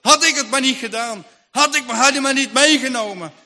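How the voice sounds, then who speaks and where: A man's voice: very high voice, brisk, sharp tone, pitched above the performer's own voice, exaggerated voice. A man voicing a terrified farmer and father, pleading in anguish, in a room with a long echo. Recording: long hall reverb.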